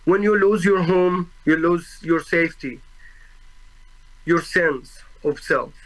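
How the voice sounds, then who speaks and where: A man in his twenties from Gaza, a native Arabic speaker with an Arabic accent, gives formal testimony before a tribunal. He speaks solemnly and earnestly, halting often to search for words and restarting his phrases. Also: a little high, a bit bright, rough recording. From Gaza, Palestine. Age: 20s.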